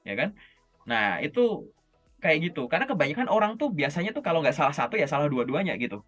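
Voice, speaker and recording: Lively chatty male interview coach. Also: on the high side, fast, faint music behind. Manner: lively, chatty, often checks in with "oke?" and "gitu". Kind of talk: casual coaching session. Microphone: video call.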